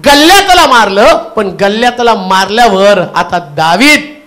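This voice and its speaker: A male pastor with a Marathi accent, preaching a Pentecostal sermon and leading the congregation in call and response, at times breaking into shouts. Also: sits high, expressive, measured pace.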